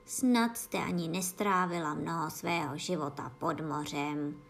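A woman's voice: sits low, steady tone, creaky, soft background music, pitched below the performer's own voice. A woman doing a weepy, mournful sea turtle. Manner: tearful, slow and mournful.

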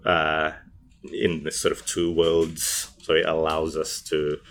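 A man in his thirties from Indonesia, speaking English as an interview guest, thoughtful and halting with many fillers. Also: rumbling low, monotone, a bit bright. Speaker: guest, poet and PhD student. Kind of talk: casual interview answers.

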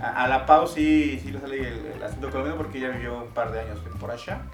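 A man's voice: mid-range voice, fast, music in the background. A man with a Mexican accent co-hosting a casual radio show, laid-back and joking. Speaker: radio co-host.

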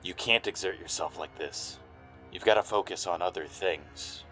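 An actor playing a down-on-his-luck, protective private eye in a noir audio drama, gruff, blunt and urgent. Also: deep voice, moderate pace, fairly bright tone, soft background music.

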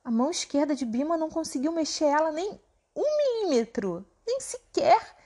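A woman telling a devotional story in an animated, explaining way. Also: high-pitched, a little fast.

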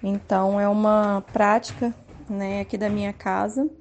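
Woman, thirties, Brazilian Portuguese accent, mellow tone, soft-spoken, unhurried, mid pitch, parenting testimony. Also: level tone, a little hiss or hum. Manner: soft-spoken, unhurried, frequent tag questions. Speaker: mother sharing parenting tips. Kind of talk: calm personal testimony.

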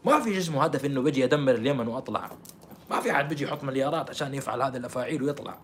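A man's voice: medium pitch, lively intonation, rapid-fire, a little hiss or hum. A man giving scornful, rhetorical political commentary. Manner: scornful, rhetorical, jumps between loud and quiet.

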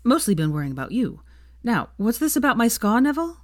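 A woman's voice: fairly high pitch, big pitch swings, fairly quick, voice pushed up. Woman reading as a friendly young wizard.

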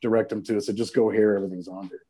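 A man's voice: lowish voice, steady tone, racing, mellow. A man who works as an actor, talking as a guest in a casual chat and telling emphatic anecdotes.

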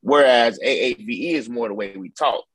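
A man's voice: medium pitch, brisk, husky, dry recording. A man with an African American accent explaining casually in a discussion, often adding "you know what I mean". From United States.

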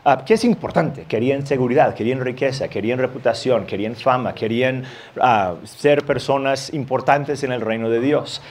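Un hombre que predica un sermón en tono conversacional, leyendo pasajes bíblicos y riendo un poco de vez en cuando. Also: male voice, medium pitch, moderate pace, a little mellow. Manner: conversational, reads scripture aloud with light laughs. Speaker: pastor. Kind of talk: sermon.

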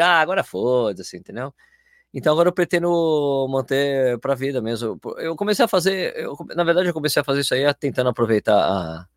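A man in casual conversation, rattling along at a quick clip. His talk comes in loose, run-on bursts full of fillers. The recording is close and dry, with almost no room sound. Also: medium pitch, dry recording. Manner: animated, talks in loose run-on phrases with many fillers. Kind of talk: casual chat.

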